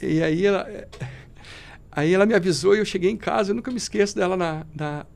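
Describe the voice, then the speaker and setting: As a podcast guest, a man shares an emotional testimony in a fairly high voice with a gravelly, crackling edge, talking fairly quickly over soft background music. He preaches fervently and keeps addressing the listener as brother.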